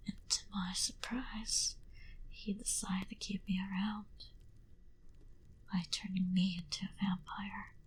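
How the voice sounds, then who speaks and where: A woman playing a wistful female vampire in an ASMR roleplay, confiding her backstory in an intimate, breathy whisper. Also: medium pitch, darkish tone, low-quality recording. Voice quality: breathy, mostly unvoiced whisper. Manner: slow, intimate, confiding delivery.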